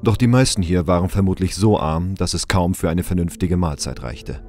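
A man's voice: low-pitched, normal speed, darkish tone, faint music behind. A man reading scripted, descriptive narration for a sci-fi audio drama.

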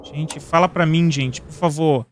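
A young man with a Brazilian Portuguese accent doing let's play commentary as a streamer, reacting with excitable, panicky exclamations directed at his chat. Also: a little high, measured pace, slight background noise. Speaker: gaming streamer.

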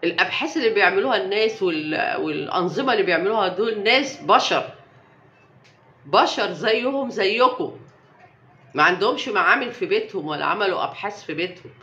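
A woman's voice: medium pitch, lively intonation, quick pace, bright, forceful tone, muffled recording. Defiant Egyptian woman on an echoey live stream. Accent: Egyptian Arabic. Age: young adult. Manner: emphatic and defiant, with repeated rhetorical questions. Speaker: health vlogger. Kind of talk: casual live-stream talk.

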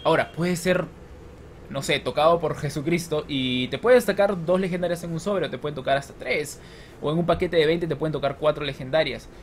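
A man's voice: fairly high pitch, fairly quick. A man in his twenties talking casually to camera like a gaming vlogger, explaining things step by step. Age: 20s. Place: small room at home with open window. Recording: clear background noise from street, open window.

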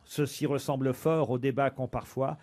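A man's voice: mid-range voice, steady tone, moderate pace, darkish tone. A man hosting a radio panel game show, reading verse aloud and then quizzing the panel. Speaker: quiz host.

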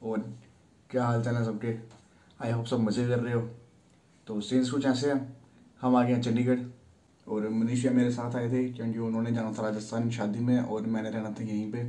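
A man's voice: mid-range voice, little pitch movement, moderate pace, dark tone. A man, chatting casually to a phone at arm's length as a travel vlogger. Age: 20s. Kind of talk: casual travel vlog chat. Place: plain rooms, rooftop, streets and shops.

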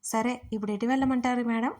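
A woman's voice: a little high, fairly even intonation, fast, a little mellow, close to an everyday voice. A woman voicing a curious, sassy young woman in an audio story.

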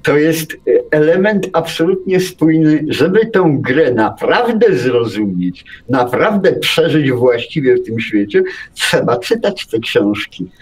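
A man in an unscripted radio discussion, speaking haltingly as he searches for words. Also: a little high, slightly rough. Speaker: radio show co-host and video game enthusiast.

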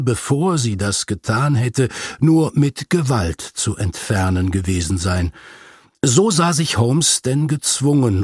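A man narrates a detective story for an audiobook. His voice is medium in pitch with a raspy, husky grain. The sound is very dry, with no room around it. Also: dry recording. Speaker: audiobook reader.

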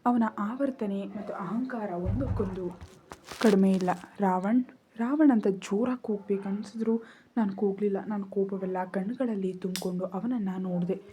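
A woman's voice: medium pitch, steady tone, moderate pace, warm tone, a little hiss or hum. A woman narrating a first-person romance story in an emotional, intimate storytelling manner.

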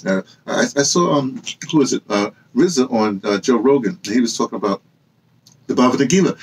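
Older american guy ranting off the cuff, husky voice, pitch swinging all over, really emphatic. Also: rough recording. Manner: animated, emphatic, rhetorical questions, gesturing. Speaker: vlogger and activist commentator. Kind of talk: impassioned off-the-cuff opinion monologue. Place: small cluttered indoor room with books and hanging fabrics.

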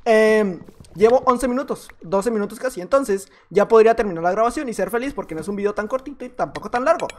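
A man's voice: high voice, lively intonation, quick pace, darkish tone. A man with a Mexican accent giving playful, joking gameplay commentary as a youtuber, laughing often. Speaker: youtuber gamer.

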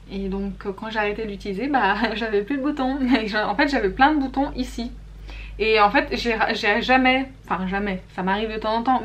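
A young woman chats candidly to the camera from a small room at home, her voice sitting a little high. She speaks freely and loosely, circling back and restarting her sentences. A faint hiss runs under the recording. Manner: chatty and candid, with frequent fillers and self-corrections. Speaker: beauty vlogger. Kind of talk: casual monthly favorites and flops review.

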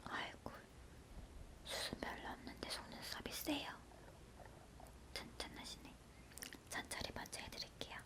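A woman performs a whispered role-play as a beauty technician. Her voice is a soft, breathy whisper throughout. She talks gently and politely, as if attending to a client lying close by. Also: normal speed, pauses often. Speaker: ASMR performer playing an eyelash extension technician.

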